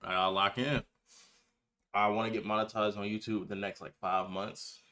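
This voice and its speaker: A nineteen-year-old man who livestreams, games and makes reaction videos talks to his chat while setting up, casual, slangy and laid-back. His voice sits on the low side with flat delivery at a moderate pace, and its tone is bright and forceful.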